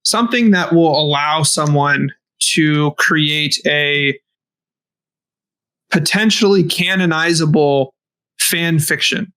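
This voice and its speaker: A man's voice: a little high, slow, sharp tone, clear, resonant tone, rough recording. A man co-hosting a podcast in casual chat, talking enthusiastically in bursts. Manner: enthusiastic, rants in bursts with swearing. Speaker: podcast co-host.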